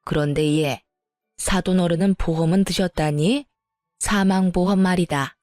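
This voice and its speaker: A woman's voice: fairly low pitch, measured pace, darkish tone, no echo, clean studio sound, soft background music, natural voice. A woman voicing a greedy, scheming middle-aged mother-in-law who talks down and pries about money. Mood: prying. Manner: condescending, prying.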